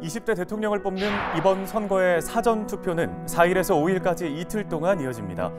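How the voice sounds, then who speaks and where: Male news anchor, news briefing, animated, loud music underneath. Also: high-pitched, brisk. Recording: music bed behind voice.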